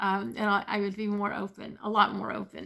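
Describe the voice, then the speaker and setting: A woman with a Southern US accent, medium in pitch, bright and sharp in tone, at a fairly quick pace. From US South. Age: 60s. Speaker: tarot reader. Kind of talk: tarot reading with personal anecdote. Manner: halting, many fillers and repeats.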